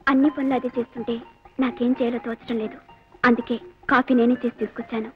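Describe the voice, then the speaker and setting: A young housewife speaking evenly and quickly with little rise or fall, played by a woman. The sound is thin and tinny, like an old film track, with faint music behind. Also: a little high, level tone, lightly acted. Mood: calm.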